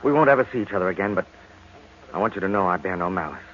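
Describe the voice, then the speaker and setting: Earnest young husband, lowish voice, old radio. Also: male voice, expressive, very fast. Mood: consoling. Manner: earnest, reassuring. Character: soft-hearted, forgiving young husband, recovering from a wound. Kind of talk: old-time radio drama acting. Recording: muffled, hissy old radio recording.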